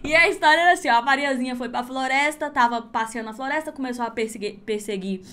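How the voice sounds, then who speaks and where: A woman teaching a crochet class who tells stories in an animated, chatty way and laughs often. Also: sits high, fast. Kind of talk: lively live class storytelling.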